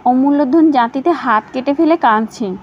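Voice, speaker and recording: A woman's voice: high voice, moderate pace, close to an everyday voice. A woman voicing a timid household maid who speaks hesitantly, in a slightly dull recording with faint hiss.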